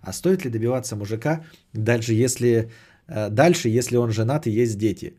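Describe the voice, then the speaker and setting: A man's voice: medium pitch, moderate pace, warm tone. A man hosting a podcast, chatting casually and sardonically as he answers audience messages, often swearing and repeating phrases. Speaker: podcast host.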